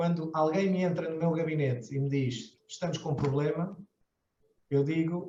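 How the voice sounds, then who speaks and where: Speech comes at a moderate pace with a European Portuguese accent. The pitch varies in an ordinary way, and there is audible room echo. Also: man. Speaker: company director and university lecturer. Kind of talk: conference talk, Q&A. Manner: halting, many fillers and repetitions.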